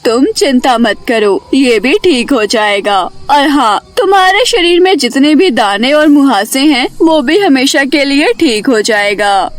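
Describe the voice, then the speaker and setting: A woman playing a kindly, reassuring witch of the forest in an animated storybook tale. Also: high voice, a little slow, hardly any pauses. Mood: helpful.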